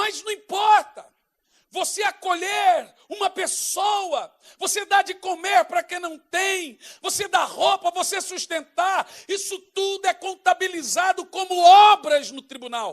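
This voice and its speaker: A man talks at a very slow pace in an extremely high voice. His pitch varies in an ordinary way while his loudness swings widely. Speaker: pastor. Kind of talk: sermon.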